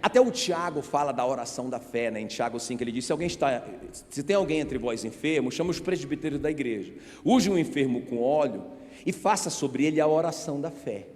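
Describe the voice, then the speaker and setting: Emphatic pastor preaching in an echoing hall. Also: male voice, medium pitch, expressive, brisk. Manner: emphatic, calls on the congregation to shout back; asks the crowd rhetorical questions. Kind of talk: sermon. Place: church sanctuary. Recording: reverberant church hall.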